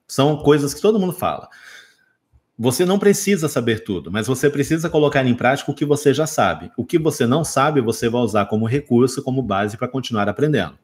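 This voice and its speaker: A Brazilian man speaking Portuguese with a Brazilian accent, teaching English in a casual video lesson. He talks straight to the viewer and acts out quick examples. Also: mid-range voice, lively intonation, darkish tone.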